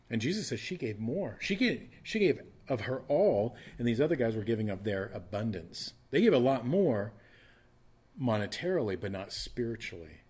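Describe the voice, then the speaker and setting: A man's voice: medium pitch, darkish tone, husky. A man in his fifties preaching a casual, conversational sermon, often restarting and repeating words. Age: 50s. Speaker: pastor.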